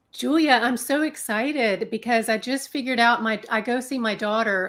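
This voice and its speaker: A woman speaks with a Southern US accent. Her pitch is fairly high, with ordinary variation. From North Carolina, US South. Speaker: artist. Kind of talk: live-stream interview.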